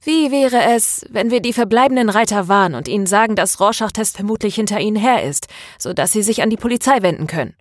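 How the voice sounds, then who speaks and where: An indignant young female student from an audiobook, acted out by a woman narrator. She speaks emphatically and defiantly, her voice pitched up, in a close, dry recording. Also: expressive, fast talker, hardly any pauses, no echo, close to an everyday voice. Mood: defiant, agitated. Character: angry, stubborn young female student, passionate and worried. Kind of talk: dramatized audiobook dialogue.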